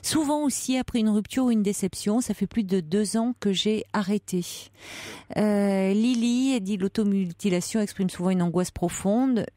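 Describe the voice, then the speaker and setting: A woman hosting a late-night radio call-in, giving soft, reassuring advice with many hesitations. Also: mid-range voice, normal speed, dry recording.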